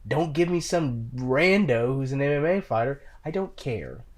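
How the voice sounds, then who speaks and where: A casual co-host on a film discussion show with a mid-pitched voice. The delivery is animated and opinionated, leaning hard on words for emphasis in loose, chatty talk. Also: moderate pace. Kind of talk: casual pop-culture chat.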